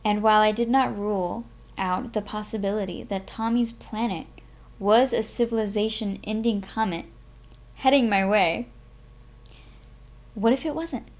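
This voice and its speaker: Female streamer, mid-pitched and leisurely, expressive delivery with drawn-out dramatic phrases. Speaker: host of a live reading stream. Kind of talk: expressive audiobook-style reading and casual stream chat.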